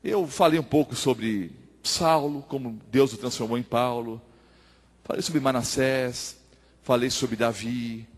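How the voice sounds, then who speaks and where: A man's voice: medium pitch, a little slow. A male pastor preaching a sermon in a church, telling a testimony and acting out the dialogue, addressing the congregation. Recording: long church hall reverb.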